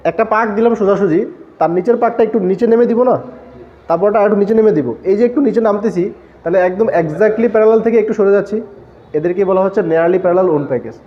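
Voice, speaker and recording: In a muffled recording, a high-pitched male lecturer in textile engineering breaks the material down step by step, putting questions to the class and supplying the answers himself.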